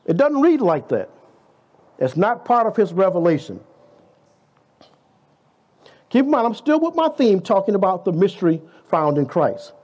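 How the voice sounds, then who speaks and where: Guest preacher, man in his fifties, high tenor with a very animated delivery, conversational sermon style. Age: 50s. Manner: conversational preaching, rhetorical questions, playful asides.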